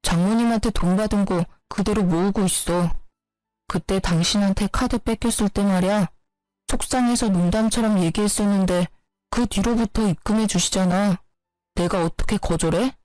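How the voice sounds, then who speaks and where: An evasive young husband, as a woman narrator puts him on, answers in a flat, unbothered way. His voice sits at a middle pitch, and a faint music bed runs behind him. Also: normal speed, no room sound, lightly acted, low-quality recording. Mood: placating. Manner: flat, matter-of-fact replies.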